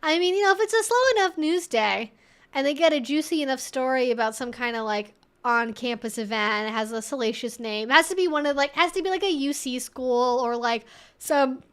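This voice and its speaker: A woman's voice: high-pitched, a little fast, smooth. A woman hosting a livestream, chattily and informally reading and answering viewer comments.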